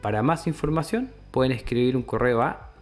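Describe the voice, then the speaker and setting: A man's voice: medium pitch, brisk. Male announcer over music. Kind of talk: scripted promotional announcement.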